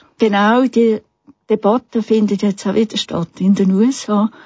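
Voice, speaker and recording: With a Basel-Land accent, a woman speaks at a moderate pace in a somewhat breathy voice with monotone, flat intonation. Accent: Swiss German, Baselbiet dialect. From Switzerland, Basel-Landschaft (Oberbaselbiet). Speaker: feminist economist. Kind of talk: radio interview. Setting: radio studio.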